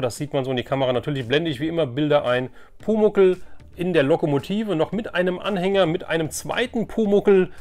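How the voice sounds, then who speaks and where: A middle-aged vintage toy collector hosts a casual, chatty flea market haul vlog from a room at home, rambling enthusiastically. His voice is fairly high-pitched and a little mellow.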